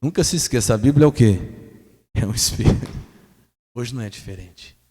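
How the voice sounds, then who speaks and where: Brazilian pastor preaching in an echoey hall. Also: male voice, fairly quick, breathy edge. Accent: Brazilian Portuguese. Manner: emphatic, asks the congregation questions, swings pitch and loudness. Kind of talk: sermon. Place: church hall.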